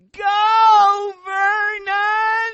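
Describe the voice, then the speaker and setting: This is a put-on character voice at an extremely high pitch. It is loud and shrill. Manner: cheering.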